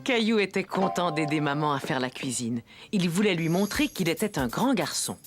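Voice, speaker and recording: A woman narrating a preschool cartoon like a kindly storyteller, in a gentle, measured storybook manner. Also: low-pitched, animated. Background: music.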